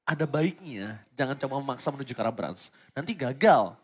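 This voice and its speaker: A man with an Indonesian accent doing dramatic esports play-by-play commentary, rising into shouts and mixing in English phrases. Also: medium pitch, animated, brisk, a little hiss or hum. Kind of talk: esports caster commentary of a mobile game match.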